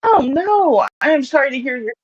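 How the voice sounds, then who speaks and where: A woman's voice: high voice, animated, moderate pace, dry recording. A woman chatting casually on a video call through a headset, her audio choppy and breaking up. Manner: chatty, laughs easily. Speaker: co-host on a live video call. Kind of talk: casual chat. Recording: dull, muffled call audio.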